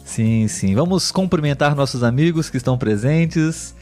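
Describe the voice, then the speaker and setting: Slow, teacherly Brazilian man. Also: mid-range voice, expressive, a little mellow, soft background music. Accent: Brazilian Portuguese. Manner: slow, clear, teacherly delivery with frequent "né?" checks. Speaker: podcast co-host. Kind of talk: live podcast chat for language learners.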